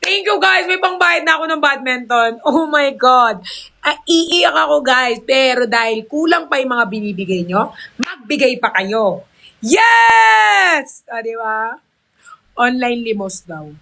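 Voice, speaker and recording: A young woman streams live from her phone, gushing excited thanks for gifts and slipping English phrases into her chatter. Her voice is high and very bright, with a crisp edge. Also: measured pace. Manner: mixes English into her talk. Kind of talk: casual livestream chat.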